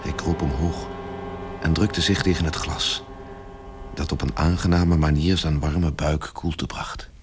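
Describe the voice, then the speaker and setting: An actor as the grave storyteller, giving measured literary narration in a radio play. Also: male voice, very deep voice, fairly even intonation, background noise. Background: music.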